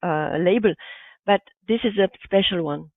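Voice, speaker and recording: A woman's voice: medium pitch, normal speed, no echo. Enthusiastic woman over tinny call audio. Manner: enthusiastic, short emphatic phrases. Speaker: guest, artist and bag designer. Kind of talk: interview answers.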